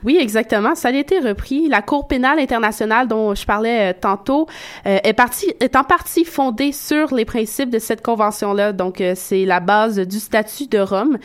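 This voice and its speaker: A woman's voice: fairly high pitch, moderate pace. A woman giving a radio segment, explaining facts step by step in a conversational way. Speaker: radio columnist.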